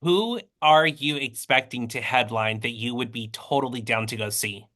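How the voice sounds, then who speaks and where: A man's voice: medium pitch, moderate pace, bright, forceful tone. A man from Los Angeles hosting a casual interview in a chatty, informal, slangy way. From Los Angeles, born in Guatemala. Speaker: podcast host.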